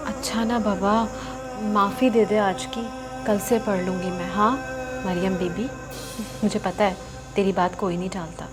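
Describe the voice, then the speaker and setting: A woman's voice: medium pitch, fairly even intonation, measured pace, natural voice. An actress playing a headstrong young unmarried woman talking with her family. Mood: playful. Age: young adult. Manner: playful, headstrong. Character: unmarried young woman, stubborn about marriage. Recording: music under dialogue.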